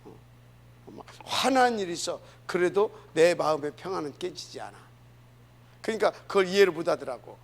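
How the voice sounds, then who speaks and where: A man's voice: high-pitched, animated, moderate pace, gravelly. A middle-aged male pastor preaching a sermon in a church, earnest and emphatic, often asking the congregation questions.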